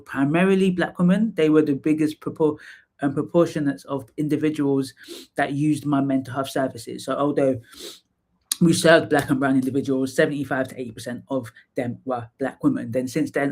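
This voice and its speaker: A woman, hosting a live stream in a casual, chatty way, full of fillers and restarts and quick to laugh. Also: very deep voice. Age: 30s. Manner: chatty, laughs easily, lots of fillers and repeats. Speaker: livestream host and psychotherapist. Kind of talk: casual livestream chat.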